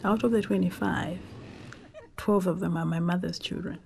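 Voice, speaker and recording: A Zambian woman whose first language is Tonga, telling her life story in a reflective, unhurried way with pauses and restarts. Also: lowish voice, steady tone, creaky, darkish tone, slight background noise. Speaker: documentary interviewee.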